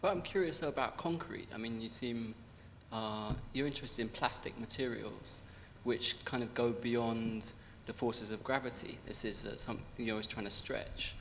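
A man putting a pointed, challenging question to a lecturer, measured and with hesitant fillers. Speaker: questioner in discussion. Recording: reverberant hall with low rumble.

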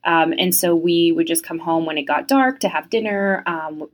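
A woman's voice: fairly low pitch, normal speed. A young woman from France who grew up in the United States, answering interview questions in a chatty, reflective way with many fillers.

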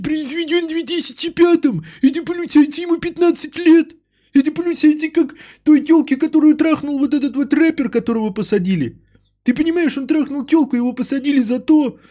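A man's voice: extremely high pitch, dark tone. A man hosting a podcast, chatting casually with his live chat in a rambling, profane, worked-up way.

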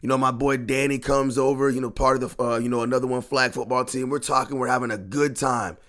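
Hoarse man ranting about football. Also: medium pitch, fairly even intonation, fast talker, a bit bright. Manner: frustrated, profane, repetitive ranting. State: hoarse, lost voice. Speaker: sports podcast host. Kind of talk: solo ranting sports talk.

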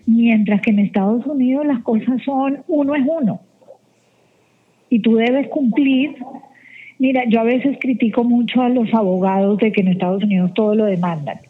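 A woman from Colombia gives firm, practical advice over a tinny phone line. Her voice sits somewhat high, and it comes through thin and narrow like a phone call. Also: moderate pace, a little hiss or hum. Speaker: guest, event organizer.

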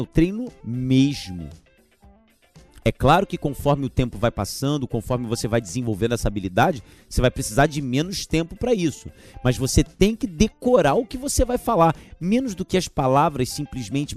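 A man hosting a podcast on teaching, lively and gesturing as he talks. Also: mid-range voice. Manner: animated, gesturing while speaking, mocking teachers' verbal tics. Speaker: podcast host and teacher trainer. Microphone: podcast microphone.

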